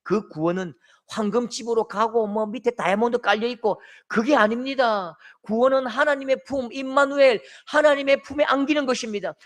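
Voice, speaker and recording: A middle-aged man with a Gyeongsang Korean accent preaching a sermon, acting out quoted voices and swinging from loud shouts to soft, tender lines. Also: very high-pitched, brisk. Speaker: pastor.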